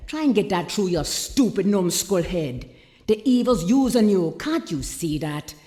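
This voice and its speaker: A woman's voice: mid-range voice, very animated, measured pace, dark tone. A woman voicing a bossy, no-nonsense mystic mentor in a video game, blunt, commanding and folksy. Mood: scolding. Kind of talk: video game character acting.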